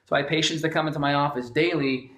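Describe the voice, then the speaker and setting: A man's voice: fairly high pitch, steady tone, fast talker, a bit bright, roomy sound. A man, a functional medicine doctor, explaining thyroid lab tests at a whiteboard and often starting with "so again". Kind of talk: whiteboard health lesson.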